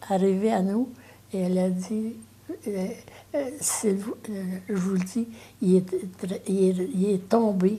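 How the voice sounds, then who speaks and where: A woman with a Quebec accent speaks at a very slow pace, her pitch medium with ordinary variation. Her tone is dark and mellow and somewhat breathy. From Quebec, Drummondville area. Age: 80s+. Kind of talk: interview answer.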